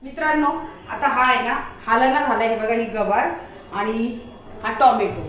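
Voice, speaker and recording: Home vlogger, woman, high voice, chatty and bossy with her pet, recorded from across a boomy kitchen. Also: normal speed. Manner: alternately coaxing and scolding her dog in a lively, chatty way. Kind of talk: casual home vlog talking to her dog. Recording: very echoey room, voice from a distance, faint noise.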